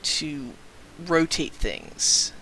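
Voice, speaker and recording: Young trans man, light youthful voice, bright tone, lively up-and-down delivery, unhurried rambling chat with frequent laughs. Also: a little high, a little hiss or hum, low-quality recording. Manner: rambling, chatty, laughs often, greets viewers mid-story. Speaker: game streamer. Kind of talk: casual live-stream chat.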